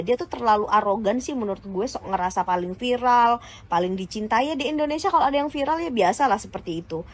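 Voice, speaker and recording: A woman ranting angrily to her followers, blunt and insulting in casual slang. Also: mid-range voice. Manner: heated, insulting and combative. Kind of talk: angry rant to followers.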